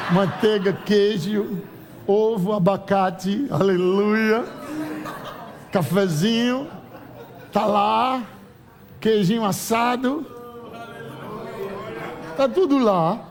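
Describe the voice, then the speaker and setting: Brazilian male pastor, fairly high voice, lively humorous preaching, faint congregation behind. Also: very slow, pauses often, some chatter behind. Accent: Brazilian Portuguese. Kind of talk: sermon. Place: church conference.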